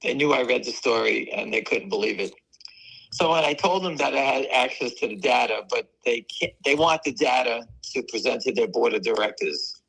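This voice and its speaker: Rambling guest, hoarse man, gravelly and raspy. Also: medium pitch, pushed and bright, low-quality recording. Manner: rambling, chatty storyteller. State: hoarse from weeks of coughing. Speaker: guest on a stock market stream. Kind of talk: casual chat.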